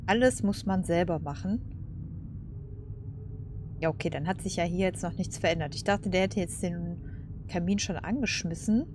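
A woman's voice: lowish voice, normal speed, pauses often, noisy background. A woman giving casual, chatty let's play commentary, musing aloud as she plays. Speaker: gaming host.

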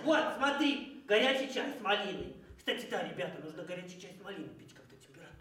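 Clown, high-pitched, lively, fussy, distant echoey studio. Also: male voice, quick pace, heavily acted. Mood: caring. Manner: fussy, instructive, talks to children. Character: cheerful caring male clown Zhorik. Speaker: children's TV clown host. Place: children's TV studio set. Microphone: distant camera mic.

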